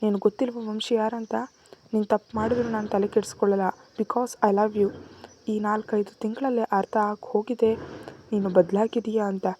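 A woman's voice: medium pitch, flat delivery, normal speed, mellow, a little hiss or hum, lightly acted. A woman voicing a hot-tempered, possessive young man who talks in a harsh, threatening way. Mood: angry.

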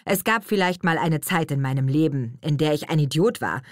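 A woman's voice: deep voice, animated, a little fast, no room sound. Woman doing a cocky sarcastic young guy, teasing, lots of ups and downs, dry studio. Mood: defensive. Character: cocky young man, mocking and blunt.

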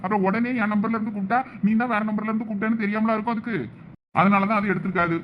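மிக வேகமாகப் பேசும் உயர்குரல் ஆண். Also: male voice, sits high, fairly even intonation, very fast, muffled recording, a little hiss or hum. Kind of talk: amateur village comedy drama acting.

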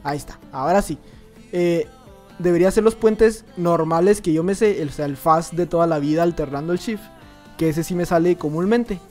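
Excitable young mexican gamer guy. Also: a little high, a little fast, soft background music. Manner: excitable, talks to himself, jokey. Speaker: gaming youtuber. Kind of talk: live gameplay commentary.

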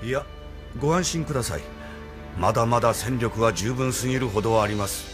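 An actor playing a loyal rebel admiral who speaks politely and proudly in a radio drama. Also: male voice, medium pitch, brisk, over music, natural voice. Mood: earnest. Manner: polite, deferential yet proud. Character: loyal middle-aged male rebel admiral, earnest.

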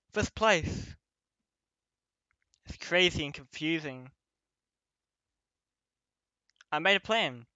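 A man playing a protective young companion leading an escape in an ASMR roleplay, speaking haltingly in short phrases. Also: fairly high pitch, pushed and bright, clean tone, no room sound, lo-fi sound. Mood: cautious, planning.

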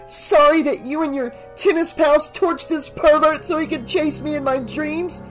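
A woman's voice: slow, darkish tone, soft background music. A narrator putting on Kristen, a panicked drugged young woman. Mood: screaming. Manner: shrill screaming, then slurred. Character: exhausted, drugged young woman, frantic and defiant. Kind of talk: audiobook character voice.

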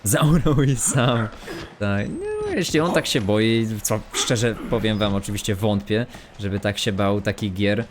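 With a fairly low pitch and fairly even intonation, this streamer speaks at normal speed with hardly any pauses. He's live-commentating a horror game, swearing and muttering to himself and viewers over noisy game audio.

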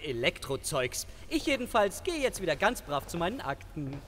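An actor playing a flirtatious, evasive, smooth-talking police sergeant in a crime radio play. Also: male voice, on the high side, big pitch swings, normal speed, fairly bright tone, long reverb tail, a little hiss or hum. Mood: evasive, appeasing. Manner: charming, wheedling, evasive. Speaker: actor in crime audio drama. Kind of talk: German crime audio drama acting.

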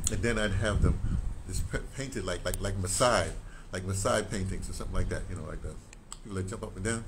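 Holding his phone at arm's length, an older man with a lowish voice rambles through a casual walk-and-talk vlog, repeating words and gesturing while he explains. The audio is poor, with clear background noise, as this audio-drama vlogger moves from his small home out to a sunny patio.

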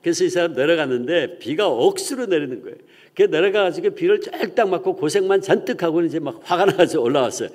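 A man's voice: fairly high pitch, lively intonation, fast, a little mellow, long reverb tail. A middle-aged male pastor preaching an early-morning sermon in a church, telling a story with acted-out voices.

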